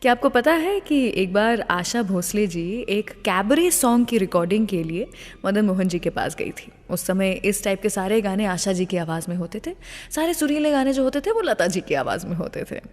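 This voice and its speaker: Female radio presenter, mid pitch, lively anecdotal delivery, reverberant sound. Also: moderate pace. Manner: lively, poses questions to listeners then answers them. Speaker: radio host.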